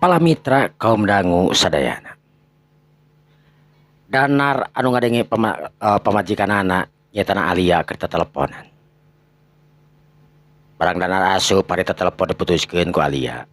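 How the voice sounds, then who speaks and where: A man's voice: low-pitched, animated, normal speed, long pauses, a bit bright. A man with a Sundanese accent narrating a dramatic story expressively as a storyteller.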